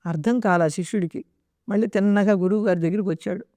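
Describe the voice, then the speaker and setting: A woman giving a devotional discourse, explaining scripture and telling stories in an unhurried, explanatory way into a close microphone. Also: mid-range voice, warm tone, dry recording. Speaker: devotional speaker. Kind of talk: religious discourse with storytelling.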